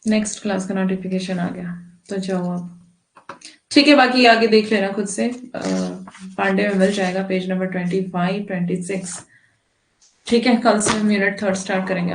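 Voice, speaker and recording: A woman's voice: mid-range voice, echoey room, a little hiss or hum. A woman teacher talking to her students in an online class, giving firm, instructive advice and addressing them fondly.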